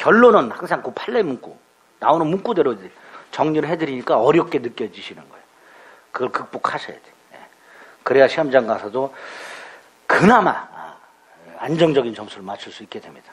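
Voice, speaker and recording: A man speaks at a fairly high pitch and a fairly quick pace, with very wide pitch swings. His loudness swings a lot, and he leaves long, frequent pauses. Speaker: law lecturer for licensing exam. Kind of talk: lecture. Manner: fast; casual, conversational.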